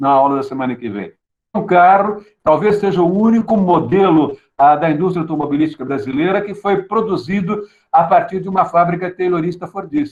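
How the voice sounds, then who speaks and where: A man's high voice with lively intonation at a fairly quick pace. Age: old. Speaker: professor. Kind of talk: lecture. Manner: hesitant with fillers.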